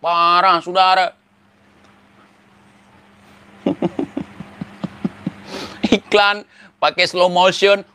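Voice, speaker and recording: A man talks in a high, bright voice full of sarcasm. He teases and mocks as he comments. His tone stays sharp throughout. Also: level tone, drawn-out words, long pauses, smooth. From Aceh. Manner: mocking, teasing, laughs at his targets. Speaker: online commentator.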